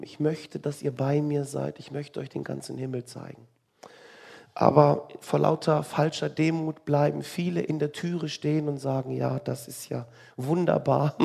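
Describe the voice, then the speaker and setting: A man delivering a sermon in an easy, conversational way, with a wry edge and plenty of rhetorical questions. His voice sits a little high for a man and has a gravelly fry to it. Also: a little mellow. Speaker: preacher.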